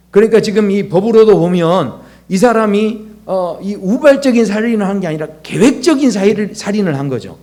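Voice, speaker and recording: A man's voice: high voice, darkish tone. A male pastor delivering a conversational sermon, asking rhetorical questions and acting out quoted dialogue.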